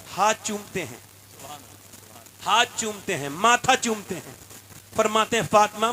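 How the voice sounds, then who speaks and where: A man preaching, swinging between fervent shouting and hushed storytelling. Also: extremely high pitch, gravelly, a little hiss or hum, low-quality recording. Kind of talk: impassioned religious speech.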